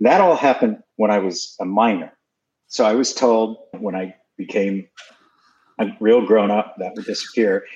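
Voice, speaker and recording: This man has an American accent and a fairly low pitch with ordinary variation. He keeps a moderate pace, broken by long, frequent pauses. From Houston, Texas. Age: 60s. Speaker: tech researcher and interactive artist. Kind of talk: casual interview chat. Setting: video call.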